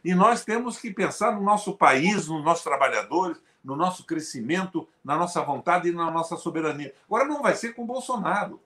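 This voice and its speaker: A man in his seventies hosting a political conversation, talking in an emphatic, forceful way with sharp jumps in pitch and loudness. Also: animated, brisk, hardly any pauses. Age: 70s. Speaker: host, veteran politician.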